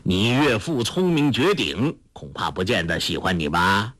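A gruff old male beggar and martial master speaks low and teasing. A man acts him out in a storybook reading, letting the pitch rise and fall freely. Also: expressive, unhurried, fairly bright tone, no echo, studio quality, full character voice.

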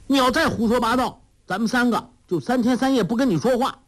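Man acting as a sharp-tongued young woman, high, fast, scolding, husky edge. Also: sing-song. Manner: scolding, quick.

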